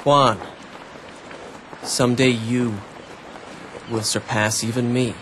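A man voices a brash young warlord in a game cutscene, speaking slowly and with determination. Clear ambient noise runs under his lines. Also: medium pitch, level tone, natural voice. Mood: determined. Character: bold young male warlord, ambitious.

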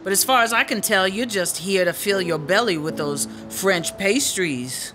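A woman's voice: medium pitch, expressive, normal speed, over music, natural voice. A woman playing a headstrong, aggrieved female musician in a radio drama, speaking in a blunt, slangy, dismissive way. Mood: confrontational. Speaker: actor in a serialized radio drama. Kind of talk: naturalistic radio drama acting.

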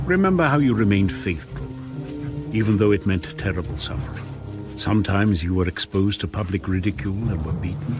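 A man narrating dramatized scripture with earnest, emphatic, dramatic phrasing. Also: low voice.

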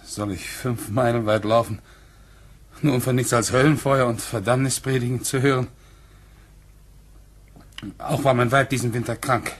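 An actor playing a plain-spoken, guarded Puritan farmer in a German radio play, blunt and measured, at times hesitant. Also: male voice, medium pitch, fairly even intonation, natural voice. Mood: defiant.

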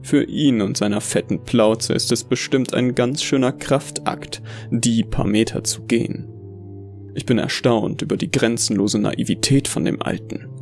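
A male actor narrates as a bitter, deluded Santa in a horror story. His mid-pitched voice is gravelly and brooding, full of contempt, with music underneath. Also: unhurried, darkish tone, natural voice. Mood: brooding, cold. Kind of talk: dramatic first-person horror narration. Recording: music behind the voice.

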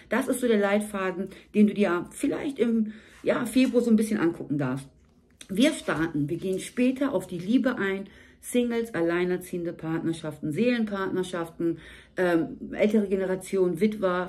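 A woman at a table reads tarot cards to the camera, her voice a little hoarse. She speaks to one viewer in a warm, reassuring way. Her pitch sits in a middle range. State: slightly hoarse. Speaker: tarot reader. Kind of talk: monthly tarot reading to camera. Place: indoors at a table.

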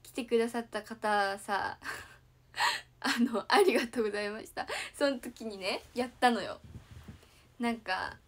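A woman's voice: fairly high pitch, measured pace, pauses often. Bubbly young woman streaming casually. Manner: bubbly and chatty, thanking viewers for gifts. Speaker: idol livestream host. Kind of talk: casual livestream chat.

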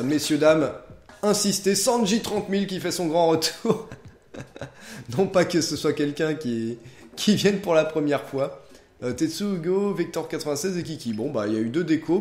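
A young man giving jokey, excitable commentary over an online game he is playing, dropping into low mutters and bursting into loud exclamations. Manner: excitable, jokey, swings between mutters and outbursts. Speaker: gaming YouTuber. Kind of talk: let's play commentary. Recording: echoey room with game music behind.

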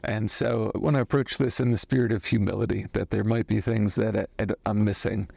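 A man in his thirties, a trauma therapist, giving a measured, thoughtful lesson to camera in a study lined with bookshelves. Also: on the low side, fairly even intonation, vocal fry, mellow, breathy edge, no room sound. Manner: measured, thoughtful explaining with hand gestures. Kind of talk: educational talk to camera.

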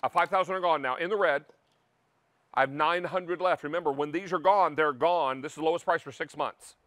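A man's voice: on the high side, a little fast, a bit bright, no echo. A middle-aged man hosting a live shopping-channel cooking show, counting down stock and deadlines in an upbeat way. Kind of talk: live home shopping sales talk. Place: large TV studio kitchen set.

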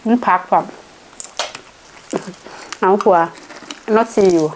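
A woman with a northeastern Thai Isan accent chatting casually as an eating vlog host, with savoring hums between her phrases. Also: medium pitch. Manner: chatty, punctuates talk with savoring hums and drawn-out polite particles. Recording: noisy recording with dish clatter.

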